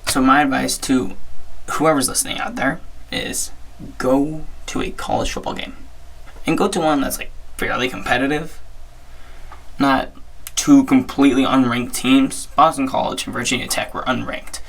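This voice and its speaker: A hoarse young man hosting his own podcast, giving chatty, upbeat sports talk with frequent restarts. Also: mid-range voice, fairly even intonation, normal speed, fairly bright tone, poor audio. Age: young adult. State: hoarse, strained voice. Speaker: podcast host. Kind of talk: casual solo sports talk.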